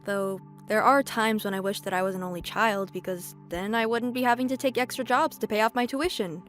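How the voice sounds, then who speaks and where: A woman's voice: medium pitch, brisk, a bit bright, soft background music, natural voice. A woman playing an outspoken, fiery young woman who works as a cashier in a fan audio drama, with an emphatic, forthright manner. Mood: candid.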